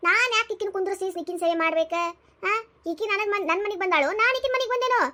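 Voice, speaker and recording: A very high, bright and piercing voice for a sarcastic, defiant old mother-in-law from a cartoon comedy, put on by a woman. She rattles along at a furious pace in a North Karnataka Kannada accent, scolding and mocking without letup. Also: quick pace. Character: sharp-tongued sarcastic mother-in-law, older village woman.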